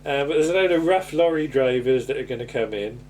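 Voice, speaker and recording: A man's voice: medium pitch, lively intonation, fairly quick, darkish tone, far from the mic, slight background noise. A British man co-hosting a podcast, casually recapping a TV comedy in a rambling, hesitant, amused way. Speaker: podcast co-host.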